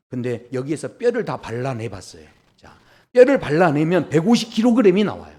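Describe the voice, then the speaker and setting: A male pastor preaching a sermon, asking the congregation questions and swinging between loud emphasis and hushed low lines. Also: husky. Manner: lively, asks the congregation questions.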